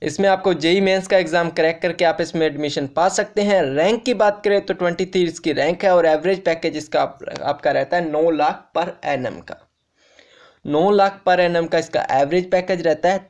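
A man's voice: fairly high pitch, normal speed, darkish tone. A man explaining, repeating every point. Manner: repetitive, restates facts, addresses viewers as friends. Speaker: education YouTuber. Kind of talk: informal explainer to students.

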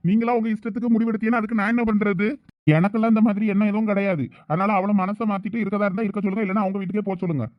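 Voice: medium pitch, level tone, rapid-fire, dry recording, dull audio, lightly acted. A performer playing an irritated college-going son arguing with his mother in a village comedy skit, with a Thoothukudi Tamil accent. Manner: irritated, argumentative.

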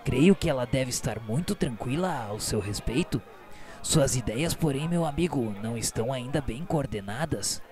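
A man playing a patient, kindly healer in a radio novela, speaking in a gentle, measured, soothing way. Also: medium pitch, expressive, close to an everyday voice. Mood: gentle, reassuring. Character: patient, kindly male spirit-world healer. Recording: music under the voice.

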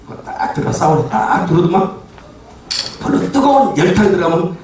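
A man performing live stage comedy, joking crudely with the audience, laughing and shouting at the crowd and the crew. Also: high-pitched, big pitch swings, a little fast. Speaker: pumba street-comedy performer. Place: concert hall stage. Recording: very echoey hall, distant and faintly noisy.

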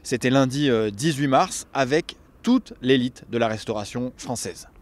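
A man narrating a local radio feature, his voice sitting in the middle range. He talks with a lively, playful way of phrasing things, like a reporter on assignment. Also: medium pitch, normal speed.

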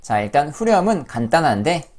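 A man giving an online pronunciation lesson, modelling phrases slowly and then singing them. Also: fairly high pitch, sing-song. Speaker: English pronunciation teacher. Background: pop music.

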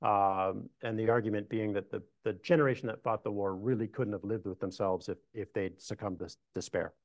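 A middle-aged man, a historian, answering audience questions in a meeting room, measured and thoughtful with frequent restarts. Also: fairly low pitch, fairly even intonation, no room sound. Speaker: historian giving a talk. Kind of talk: lecture Q&A answers.

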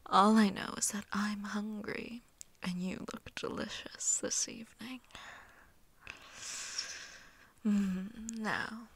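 A woman plays a seductive vampire mistress in an ASMR roleplay. She teases her prey in a condescending, breathy whisper that crackles with fry. The words come unhurried, as if she is savouring a meal. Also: mid-range voice, steady tone, fairly bright tone, full character voice. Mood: hungry, teasing. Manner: whispered, slow, teasing, condescending. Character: seductive, haughty, hungry female vampire mistress toying with prey. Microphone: close microphone.

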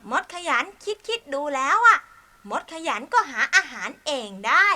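A woman's voice: high voice, sing-song, normal speed, pushed and bright, full character voice. A woman voicing a sensible, hardworking young male ant in a children's storybook play, explaining things patiently.

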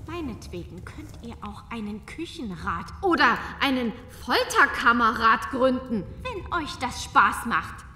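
A woman's voice: on the high side, big pitch swings, a little slow, hardly any pauses, bright, forceful tone, roomy sound, recorded from a distance, a little hiss or hum, full character voice. A woman playing a haughty, easily outraged countess in a comic fairy-tale audio drama, theatrical and exclamatory. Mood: annoyed, dismissive.

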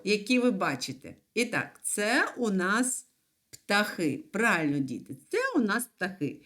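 Повільна вчителька з мелодійним голосом. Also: female voice, medium pitch. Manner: slow, sing-song, stretches syllables. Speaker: primary school teacher. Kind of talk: online lesson for young children.

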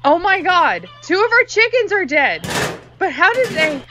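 A woman's voice: extremely high pitch, very animated, normal speed, bright, forceful tone, heavily acted. A woman playing a skeptical daughter in a radio drama, with a conversational, sardonic manner. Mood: alarmed, angry. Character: wry, skeptical grown or teenage daughter.

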